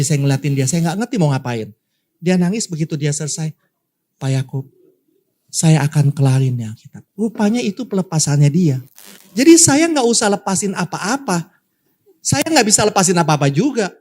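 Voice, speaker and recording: Lively storytelling male pastor. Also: sits high. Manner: lively storyteller, acts out voices, addresses congregation. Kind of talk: sermon storytelling.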